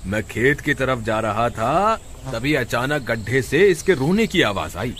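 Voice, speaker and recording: A man's voice: medium pitch, lively intonation, unhurried, a bit bright, a little hiss or hum. Man voicing a kind earnest village farmer. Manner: earnest, caring.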